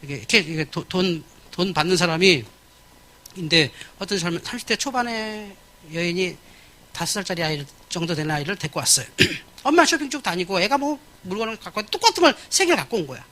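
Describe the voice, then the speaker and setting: Pastor guy in his 50s lecturing at church, blunt, acts out voices, bright lively voice. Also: high voice, a little fast.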